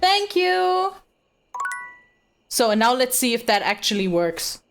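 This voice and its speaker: A woman's voice: on the high side, sing-song, takes it slowly, creaky, music in the background. A woman giving casual gameplay commentary as a streamer, reacting to a video game.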